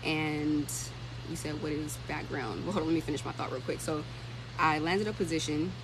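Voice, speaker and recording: This low-pitched woman, thirty years old, runs a casual livestream about tech careers, responding to comments as she thinks aloud. She talks at a moderate pace with background noise behind her.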